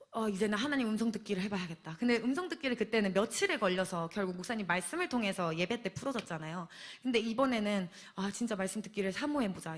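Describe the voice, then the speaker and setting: A young woman shares a personal testimony at an evening church service, speaking at an ordinary, middle pitch for a woman. She tells her story in a lively way, acting out the voices she quotes and laughing often as she goes. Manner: animated storyteller who acts out quoted voices. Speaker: church staff member giving testimony.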